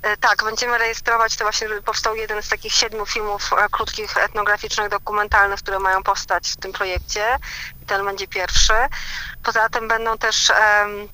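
A woman phoning in, her voice played into the studio over a speakerphone. The tone is very bright and sharp. She reports casually, with pauses and fillers. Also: medium pitch, flat delivery. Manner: hesitant, talks with fillers while traveling. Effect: phone call played on speakerphone. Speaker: caller reporting from a field trip.

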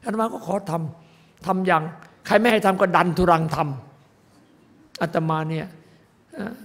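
A man's voice: high-pitched, unhurried, fairly bright tone. An older man, a monk, preaching a sermon in an emphatic, rambling way, repeating himself for emphasis. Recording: echoey hall.

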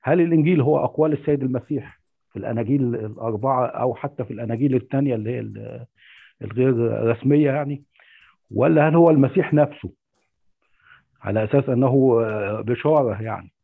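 A man's voice: mid-range voice, fast talker, gravelly, breathy edge. A man with an Egyptian accent calling in with hesitant, filler-heavy questions over a phone-like line. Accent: Egyptian Arabic. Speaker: caller. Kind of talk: call-in question. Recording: tinny phone-like call line.

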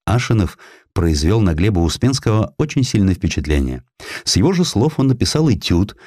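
A male audiobook narrator with a low voice tells a historical tale theatrically. His intonation moves widely and expressively, and the sound is close and dry. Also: a little mellow, no echo. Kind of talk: dramatized scripted narration of a historical sketch.

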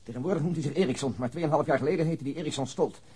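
A man's voice: fairly high pitch, racing, dark tone, slightly rough. An actor in a radio drama playing a precise, matter-of-fact male policeman reporting details. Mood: factual, brisk.

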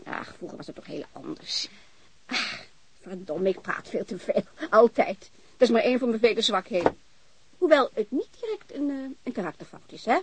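A woman's voice: a little high, animated, normal speed, a little hiss or hum, rough recording. An actress playing an outspoken, chatty middle-aged landlady in a naturalistic radio drama, talking bluntly and restarting her sentences. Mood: frank, teasing. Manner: talkative, blunt, breaks off and restarts.

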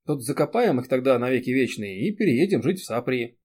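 A man's voice: medium pitch, very animated, brisk, darkish tone, breathy edge. A male reader voicing a blunt, protective young man who talks firmly and soothingly. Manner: firm, reassuring, sometimes barking. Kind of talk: audiobook character reading.

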